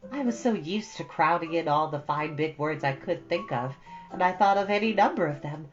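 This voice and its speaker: Dreamy thoughtful teen girl from a storybook, done by a woman reader, kinda low voice, music underneath. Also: lively intonation, normal speed. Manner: dreamy, reflective. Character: thoughtful, earnest fifteen-year-old girl in a storybook. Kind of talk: storybook character dialogue. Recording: dull audio over soft guitar music.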